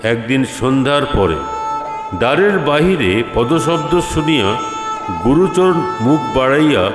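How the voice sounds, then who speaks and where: A man's voice: mid-range voice, lively intonation, measured pace. A man narrating a literary story from a script. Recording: echoey long reverb, music behind. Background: music.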